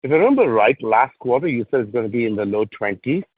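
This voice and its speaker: A man's voice: medium pitch, big pitch swings, fast, slightly rough, dry recording. A man phoning into an earnings call as an analyst, speaking in a conversational business style over a narrow line. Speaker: analyst asking questions. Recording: dry, tinny narrow phone line.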